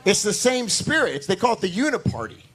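Hoarse male pastor, high-pitched, repetitive and emphatic preaching style. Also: sing-song, quick pace, a bit bright. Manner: talks to the congregation directly, asking for amens. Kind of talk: sermon.

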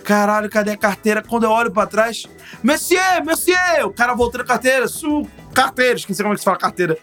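A man telling a travel story in casual chat, swearing often and bursting into shouted voices. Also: sits high, steady tone, rapid-fire, soft background music.

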